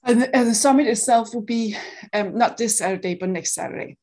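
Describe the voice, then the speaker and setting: A Danish woman hosts an online summit interview over a video call. Her Danish accent is clear, and she talks in a loose, chatty way. She laughs easily and often restarts her sentences. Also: a little high, fairly quick, dark tone. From Denmark.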